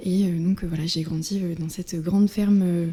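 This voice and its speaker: A somewhat breathy woman's voice at medium pitch, with a dark, mellow tone and monotone, flat intonation. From southwest France, Gers. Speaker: art therapist. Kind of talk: radio interview. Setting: radio studio. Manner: hesitant, many fillers.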